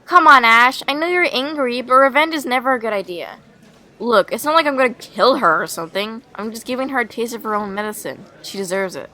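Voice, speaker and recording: A woman voicing an earnest, dramatic schoolgirl character in an animated roleplay. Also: fairly high pitch, fairly quick. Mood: worried.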